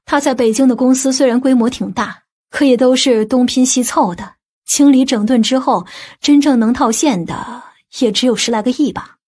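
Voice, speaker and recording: A woman's voice: high voice, moderate pace, a little mellow, breathy edge. A woman acting a confident, well-connected aunt in an audiobook drama, speaking in an assured, matter-of-fact way. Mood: persuasive.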